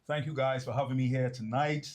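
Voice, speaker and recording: A Bahamian man, a Christian minister, appearing as a guest on a talk show and speaking in a polite, measured way. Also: medium pitch, fairly even intonation, a little mellow. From Grand Bahama.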